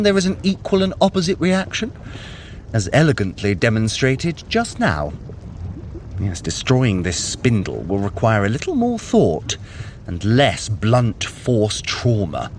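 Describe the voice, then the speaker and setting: An actor playing a cunning, sardonic trickster god in an audio adventure, with a wry, condescending, theatrical manner. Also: male voice, medium pitch, very animated, measured pace, a little hiss or hum. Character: Loki, cunning, sardonic male trickster god, brother of Thor. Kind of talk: scripted audio adventure acting.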